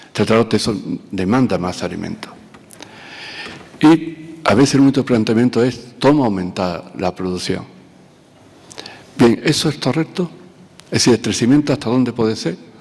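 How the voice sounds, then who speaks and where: Over noticeable background noise, a medium-pitched man talks at a moderate pace with lively intonation and long, frequent pauses. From Andalusia, Spain (Marchena, Seville). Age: 60s. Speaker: agriculture association president, panel speaker. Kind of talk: conference panel talk.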